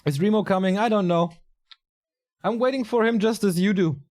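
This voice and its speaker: A man commentating a strategy game alone, casual and chatty, his voice a little raspy and tired. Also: sits high, moderate pace, darkish tone. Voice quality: casual, chatty delivery with fillers. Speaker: esports caster.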